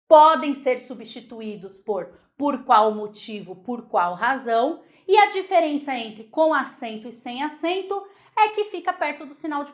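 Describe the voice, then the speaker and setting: A Brazilian woman with a bright, high-pitched voice leads a grammar class for exam candidates. She talks in a lively, chatty way and keeps checking that her students are following along. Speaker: Portuguese grammar teacher. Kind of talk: exam-prep grammar lesson.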